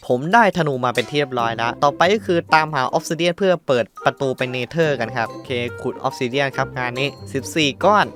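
A man hosting a casual let's-play, narrating his own moves, counting aloud and breaking into startled exclamations and coarse slang. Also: mid-range voice. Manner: excitable, yelps and exclaims at surprises, coarse slang. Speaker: gaming channel host.

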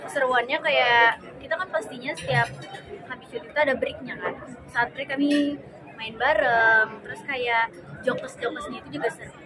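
A woman's voice: sits high, steady tone, moderate pace. Young woman chatting over a crowd. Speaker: young actress. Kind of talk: press interview. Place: crowded indoor banquet hall. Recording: loud crowd chatter behind.

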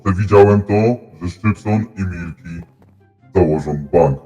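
A man voicing a secretive masked male professor through a voice modulator that shifts his pitch very deep, speaking in slow, cryptic pronouncements. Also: dark tone, soft background music. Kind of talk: game roleplay.

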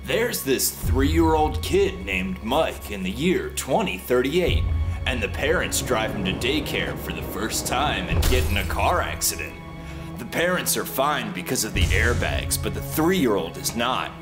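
A man's voice: medium pitch, big pitch swings, a little slow. A man playing an earnest, casual narrator in a comic scripted voice-over, telling a story in plain, colloquial words. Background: music.

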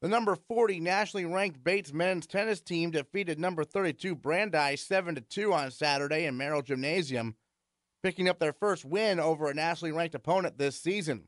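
A man's voice: fairly high pitch, fairly quick, a bit bright, no room sound, studio quality. A man hosting a college sports podcast, asking friendly, encouraging questions and reading sports results. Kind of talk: interview and read sports news.

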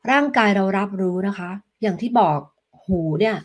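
Soft-spoken woman with a breathy voice. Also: medium pitch, a little fast. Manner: gentle, explains step by step, answers viewer questions. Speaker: health coach. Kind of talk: live demonstration lesson. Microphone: desk microphone. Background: tuning fork tones.

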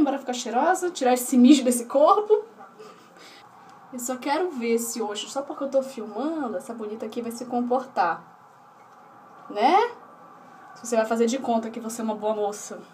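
A woman's voice: fairly high pitch, a little mellow, recorded from a distance, slight background noise. A woman, chatting casually in a home vlog and doting on her pet in baby talk while she bathes it. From Brazil. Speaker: pet owner vlogger. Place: indoors at home, bathing a pet.

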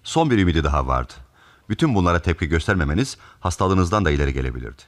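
An actor playing a calm, methodical detective who explains a case deliberately in a radio theatre mystery. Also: male voice, sits low. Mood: grave, reasoning.

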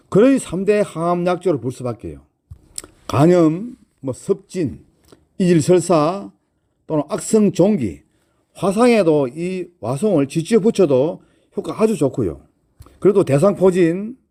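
A middle-aged man gives a herbal medicine lesson straight to his viewers. His voice sits high and moves a lot, with a mellow tone. He keeps putting rhetorical questions to his audience. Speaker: herbal medicine channel host. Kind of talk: explanatory lecture to viewers.

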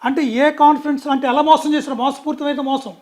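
A man's voice: extremely high pitch, steady tone, fast, darkish tone. A man speaking as a guest in a political interview, talking emphatically and often restarting and correcting himself mid-sentence.

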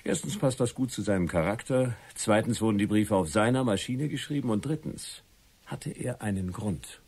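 An actor in a German radio play playing a confident crime writer who explains things deliberately and theatrically. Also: male voice, on the low side, a little mellow, breathy edge. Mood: assured, explanatory. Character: confident crime writer laying out his theory methodically.

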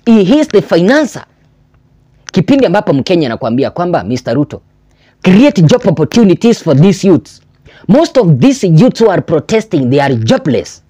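Emphatic young Kenyan man, animated pitch. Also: moderate pace, no room sound. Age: 20s. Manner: emphatic, rhetorical questions, repeats key phrases for stress. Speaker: political commentary vlogger. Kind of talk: impassioned commentary to camera, mixing English and Swahili. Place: small indoor room with a backdrop, armchair.

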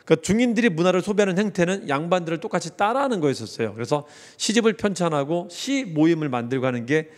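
A man's voice: a little high, animated, fast, hardly any pauses, big-room sound. A man lecturing on history for exam review, repeating key words and mnemonics as he explains.

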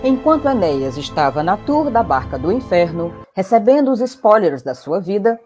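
A woman's voice: medium pitch, big pitch swings, normal speed. A woman narrating a scripted story as the narrator of an audio drama. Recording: loud background guitar music.

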